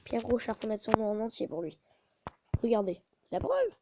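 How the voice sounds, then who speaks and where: A woman's voice: a little high, wildly swooping pitch, moderate pace, noisy background. A woman hosting a casual gaming video, muttering to herself and often stopping to correct herself, recorded on a phone. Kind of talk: casual gameplay commentary.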